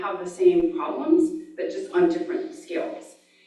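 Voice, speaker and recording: A woman with an American accent talks at an extremely high pitch, her voice swinging very widely. She speaks at a fairly slow pace, with audible room echo. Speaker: mayor chairing city council. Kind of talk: council meeting remarks. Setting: council chambers.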